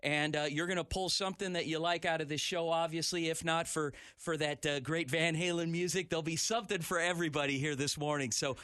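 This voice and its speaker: A middle-aged male radio host with a bright, forceful voice, a touch higher than most men. He chats enthusiastically and rambles a little. The sound is close and dry. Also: fairly even intonation, brisk, few pauses, no room sound. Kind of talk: radio talk show.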